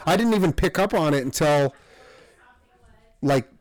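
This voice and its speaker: Male podcast co-host, slightly high pitch, dry close sound, rambling casual sports talk. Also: expressive, unhurried, no echo. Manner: rambling, self-correcting, chuckling.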